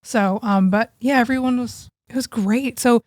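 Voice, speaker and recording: A woman with a fairly high voice chats informally as a podcast co-host, talking in loose, slangy phrases. The sound is dry and close, with very little echo. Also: normal speed. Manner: informal, peppered with slang and mild swearing. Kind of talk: casual podcast chat.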